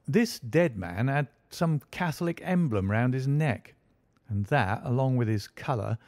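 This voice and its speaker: A man's voice: medium pitch, a little mellow, no echo, clean studio sound, lightly acted. A man reading aloud and voicing a brash, self-satisfied police inspector who boasts and insists on his own theory.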